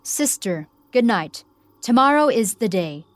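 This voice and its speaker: A woman's voice: on the high side, big pitch swings, a little slow, no echo. A woman acting a watchful, hopeful soldier on night guard in a Shakespearean audio drama, earnest in manner. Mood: companionable.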